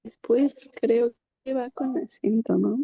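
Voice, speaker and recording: A woman's voice: a little high, steady tone, slow pace, gravelly, breathy edge, dry recording, muffled recording. A woman student answering questions in an online lesson, hesitant and thinking aloud with little hums.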